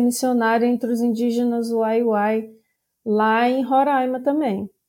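A woman speaks in a high pitch with a dark, mellow tone. Her intonation stays fairly even on a very clean recording with a silent background. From Nova Friburgo, Rio de Janeiro, Brazil. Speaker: missionary. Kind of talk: interview.

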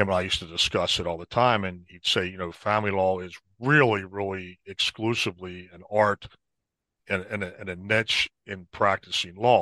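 Against a quiet background, a man with an American accent has a bright, sharp tone in a dry, close sound with no echo. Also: moderate pace, big swings in loudness. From US, Baltimore. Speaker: lawyer and law firm owner. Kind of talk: interview.

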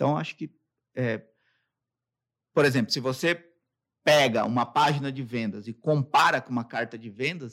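With a fairly slow pace, a man speaks on a very clean recording with a silent background, the sound dry and close, with no echo. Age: 40s. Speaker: copywriter. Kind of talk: casual chat.

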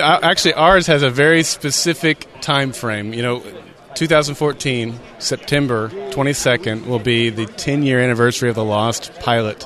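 Speech comes at a moderate pace with ordinary pitch variation over noticeable background noise. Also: man. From Oklahoma, US. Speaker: podcaster. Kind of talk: casual interview. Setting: live event.

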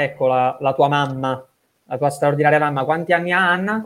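The voice runs at a very fast pace with ordinary pitch variation. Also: man. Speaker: event moderator. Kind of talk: book presentation.

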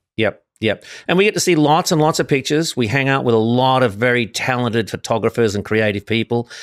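An Australian-accented speaker races along at a very fast pace with lively intonation and hardly any pauses. The sound is dry and close with no echo, on a very clean recording with a silent background. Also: man, medium pitch for a man. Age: 60s. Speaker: photographer. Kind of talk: casual chat.

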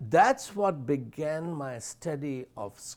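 A man with an Indian accent, fairly high-pitched for a man, at a very slow pace. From India, Allahabad. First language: Hindi. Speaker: philosopher and author. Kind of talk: interview. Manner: halting, many fillers.

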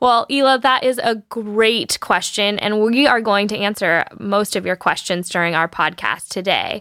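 A woman with an American accent, fairly high in pitch, with a bright, sharp tone and a dry, close sound with no echo. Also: ordinary pitch variation, moderate pace. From Southern California (San Diego). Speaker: pediatrician, podcast co-host. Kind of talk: scripted health-advice discussion.

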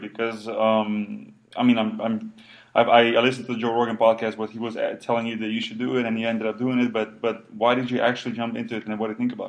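Monotone and flat, a man with a Slovenian accent speaks in a medium pitch. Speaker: podcast host and pro athlete. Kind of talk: casual interview chat. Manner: hesitant, many fillers.

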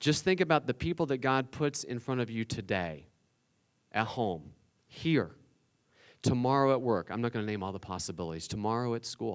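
Taking long, frequent pauses, a man with a West Virginia accent swings his pitch very widely. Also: very clean recording, silent background. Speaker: guest preacher. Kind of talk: sermon.

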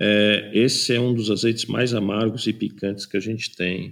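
A man with a fairly low pitch and fairly even intonation at a moderate pace. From Portugal, Alentejo. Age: 60s. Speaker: wine and olive oil importer. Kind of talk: interview.

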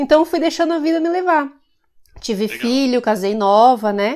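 A woman's high, dark, mellow voice with very wide pitch swings at a fairly quick pace, on a very clean recording with a silent background. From Rio Grande do Sul, Brazil (German-descended interior town). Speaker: spiritual teacher and therapist. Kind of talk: casual interview chat.

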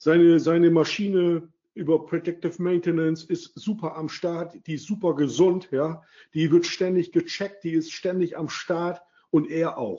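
The man's pitch is high. He speaks at a fairly slow pace with fairly even intonation. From northern Germany, Wilhelmshaven. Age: 50s. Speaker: sales expert and app developer. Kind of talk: interview. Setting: web meeting. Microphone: audio problems at start of recording.

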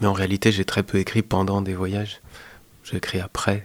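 At a moderate pace, a man speaks with a fairly low pitch and flat, monotone intonation in a dry, close sound with no echo. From Anjou, western France. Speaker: poet. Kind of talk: interview. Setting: radio studio.

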